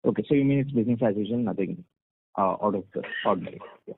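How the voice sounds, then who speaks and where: A man's voice: fairly low pitch, very fast, background noise. A man asking follow-up questions as an analyst on a conference call. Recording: dry, phone-like audio.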